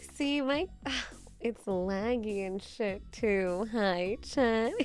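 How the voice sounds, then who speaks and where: A quiet woman's voice at medium pitch, with ordinary pitch variation and a very slow pace, over music in the background. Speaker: VTuber streamer. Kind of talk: live stream chat. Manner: talking in an altered, quieter way.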